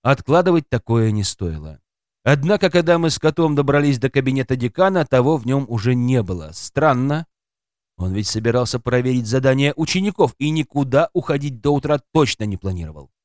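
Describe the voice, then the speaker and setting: Sex: man. Style: expressive audiobook narration, lively pitch, dry sound. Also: brisk, no echo. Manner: expressive reading that voices a woman's inner thoughts. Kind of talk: scripted first-person narration.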